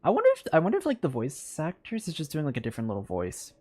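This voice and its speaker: A man's voice: a little high, wildly swooping pitch, rapid-fire, a little mellow. A man streaming a game with casual, rambling commentary, thinking aloud as he goes. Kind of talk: casual live gameplay commentary.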